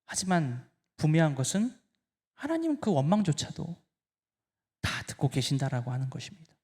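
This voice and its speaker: A man preaching a sermon as pastor, talking straight to the congregation and swinging between hushed and loud. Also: a little high, sing-song, moderate pace. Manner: addresses the congregation directly.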